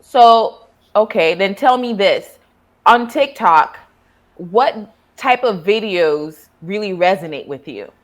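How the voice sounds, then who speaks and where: A woman's voice: mid-range voice, lively intonation, slow. A woman from Ghana hosting a casual interview as a therapist, asking friendly questions and laughing easily. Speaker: therapist and podcast host.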